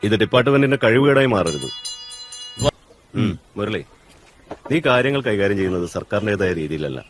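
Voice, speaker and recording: A man's voice: on the low side, animated, fairly quick, a little hiss or hum, lightly acted. A man playing an impatient, domineering authority figure in a drama. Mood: impatient, demanding.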